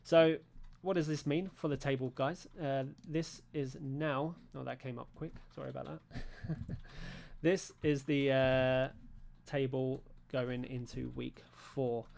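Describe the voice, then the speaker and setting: A man's voice: steady tone, slow, vocal fry, a little mellow. A man from Britain hosting a league stream recap in a casual, rambling way, full of fillers and restarts. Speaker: league show host. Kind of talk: casual stream wrap-up commentary. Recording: low-volume audio from his end.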